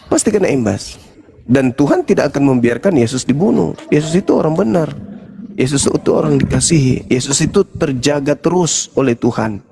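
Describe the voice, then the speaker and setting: A male preacher giving a sermon in an animated, mocking way. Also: a little high, creaky, slightly rough. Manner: animated and mocking, acts out crowd chants.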